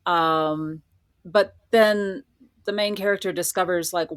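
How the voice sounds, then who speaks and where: A woman's voice: lowish voice, fairly even intonation, slow, dry recording, studio quality. A woman speaking as a guest in a casual interview, reflective and articulate in an informal way. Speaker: guest, horror fiction writer.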